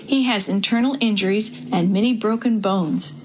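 A woman's voice: mid-range voice, a little hiss or hum, close to an everyday voice. A woman voicing a matter-of-fact male veterinarian who speaks with sympathy. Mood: sympathetic. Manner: brisk, sympathetic.

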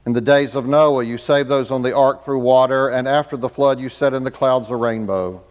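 A man leading a baptism liturgy as pastor, reading prayers in a measured, formal way, his voice echoing through a large church sanctuary. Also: steady tone, smooth. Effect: long cathedral-like reverb. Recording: booming echo of a large church.

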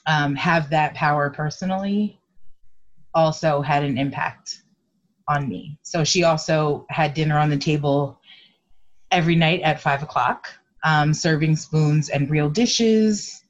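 Middle-aged woman, low voice, hesitant and reflective, dull lo-fi remote audio. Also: unhurried. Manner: hesitant, thoughtful, many ums. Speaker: guest, activist. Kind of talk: conversational interview.

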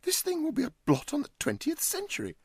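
A man voicing a flustered, stammering gentleman who grows more and more panicked. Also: huge pitch swings, fairly quick, vocal fry, no room sound, clean studio sound, heavily acted. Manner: stammering, high and agitated. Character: flustered, stammering middle-aged gentleman host.

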